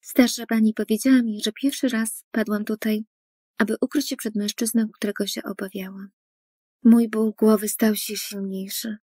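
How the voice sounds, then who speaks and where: A woman reading a first-person story as a scripted voice-over, earnest and hushing at tense moments. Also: medium pitch, flat delivery, normal speed, husky, no room sound, clean studio sound. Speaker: narrator.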